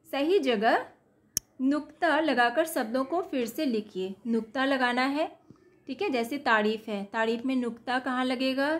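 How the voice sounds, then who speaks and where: Woman teacher, patient step-by-step workbook walkthrough, high voice, unhurried delivery. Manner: patient, step-by-step, repeats "ठीक है". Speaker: teacher solving workbook exercises. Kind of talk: explaining a school workbook.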